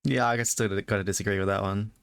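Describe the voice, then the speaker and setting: A man's voice: on the low side, steady tone, fast talker, creaky, fairly bright tone, clean tone, no room sound. A man doing casual, reactive let's play commentary, talking back to the game in a wry, conversational way. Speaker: let's player, streamer.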